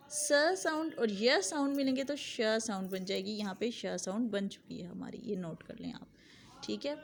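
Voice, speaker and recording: A woman with a fairly high voice explains English sound assimilation in an easygoing classroom way. She keeps saying example phrases again and again, slowly, so learners can copy them. She checks in with her students as she goes. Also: slight background noise. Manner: conversational, checks in with "theek hai". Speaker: English phonology teacher. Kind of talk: explanatory video lesson.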